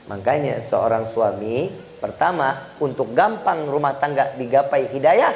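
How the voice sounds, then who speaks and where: A man's voice: mid-range voice, a little slow. A man, preaching a humorous Islamic sermon and talking straight to his congregation with jokes. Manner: lively, joking, addresses the audience directly.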